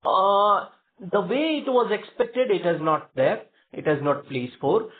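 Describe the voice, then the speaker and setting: A man with an Indian accent speaks over a narrow, tinny conference phone line. He answers as a company executive, feeling his way through phrases in a halting manner. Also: high voice, sing-song. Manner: halting, hedged phrasing with repeated filler phrases. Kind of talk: earnings call question and answer.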